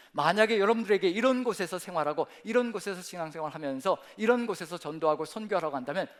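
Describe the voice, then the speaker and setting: A male pastor preaching a sermon, asking many rhetorical questions and leading the congregation in reading aloud. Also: a little high. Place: church sanctuary.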